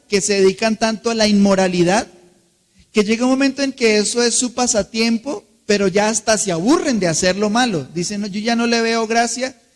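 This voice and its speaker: A man, preaching a sermon as pastor, drawing out key words and asking the congregation questions. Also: high voice. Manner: slows and stretches key words for emphasis, asks the congregation questions. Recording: long reverb of a large hall.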